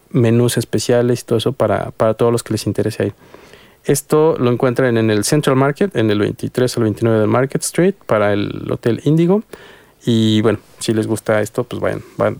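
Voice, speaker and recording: A man's voice: medium pitch, creaky, a little mellow, no room sound. A man hosting a casual radio interview, chatty and hesitant, with many restarts. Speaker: radio show host. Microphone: studio microphone.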